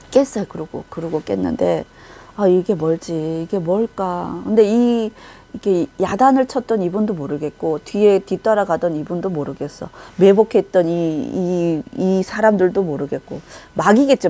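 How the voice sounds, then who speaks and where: Mellow-voiced woman giving a church testimony. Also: mid-range voice. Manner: vivid storytelling, acting out shouted quotes. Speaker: testimony speaker. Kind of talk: Christian testimony, recounting a vision.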